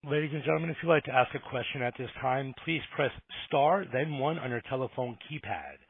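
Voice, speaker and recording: A man's voice: medium pitch, animated, brisk, slight background noise. A man working as a conference call operator, giving scripted instructions in a formal, procedural way over a phone line. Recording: tinny narrow phone line.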